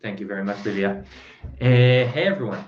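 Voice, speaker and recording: A man with a cold giving a conference talk as a product executive, relaxed and self-deprecating, with frequent filler sounds. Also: lowish voice, brisk, a little hiss or hum. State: has a cold. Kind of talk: presenting a tech conference talk. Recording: echoey, dull lo-fi sound.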